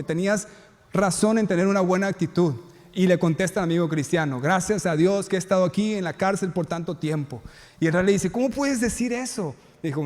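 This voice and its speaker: A man's voice: high voice, darkish tone, long reverb tail. A male pastor preaching a sermon, telling stories and acting out the characters' lines.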